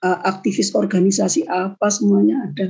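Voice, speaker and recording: This woman's voice sits at a medium pitch with a dark, mellow tone. It comes across as somewhat breathy. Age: 60s. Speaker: writer, workshop participant. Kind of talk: audience question.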